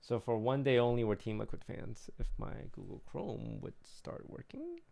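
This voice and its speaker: A man's voice: mid-range voice, huge pitch swings, normal speed, creaky, darkish tone. A man streaming casual, slightly crude reactions to esports broadcasts, muttering as he goes. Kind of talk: casual livestream reaction chat.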